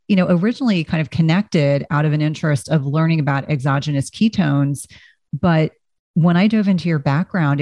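A woman's voice: sits low, mellow, no room sound. A woman, a nurse practitioner, hosting a health podcast with an earnest manner, reading an introduction and then interviewing.

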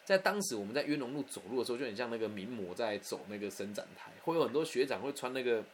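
A man telling a personal anecdote in a candid, animated, conversational way. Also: mid-range voice, fast, slight background noise. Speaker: storyteller.

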